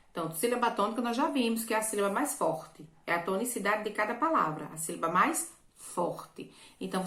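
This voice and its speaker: A woman teacher walks young pupils through a workbook lesson, patient and repetitive, often checking in. Her voice sits at an ordinary middle pitch, and the room around her rings with echo. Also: fairly bright tone. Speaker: primary school teacher. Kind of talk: explaining a workbook lesson to children.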